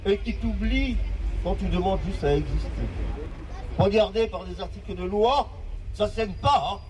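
A man in his fifties, a long-time care aide, giving an impassioned, oratorical testimony full of dramatic pauses and repetition. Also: sits high, darkish tone, far from the mic, slight background noise, poor audio. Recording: voice from off-mic.

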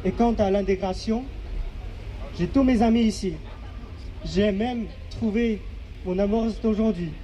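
A man's voice: mellow, slight background noise. Man from Inner Mongolia, earnest. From Inner Mongolia, China. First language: a language of his home village. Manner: slow, halting, deeply earnest phrasing. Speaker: speaker giving a testimony. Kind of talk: read-out personal testimony at a public event.

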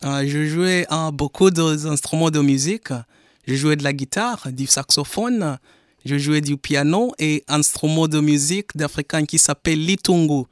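A man's voice: a little high, measured pace, no echo. Young male Kenyan radio guest, Swahili first language, slightly raised voice, dry studio sound, careful speech. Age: young adult. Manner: careful, simple phrasing in a second language. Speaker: musician and English teacher. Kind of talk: radio interview answers in English and French.

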